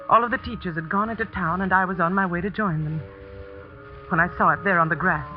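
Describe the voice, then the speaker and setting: An actress playing a determined schoolteacher who narrates tensely and earnestly, in a muffled 1940s radio broadcast. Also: female voice, medium pitch, natural voice.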